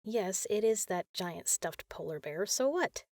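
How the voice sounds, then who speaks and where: A woman playing a caring, teasing big sister in an intimate comfort roleplay, talking softly and casually. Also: medium pitch, expressive, unhurried, dry recording, studio quality. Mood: teasing, playful. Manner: soft, soothing, casual, playful.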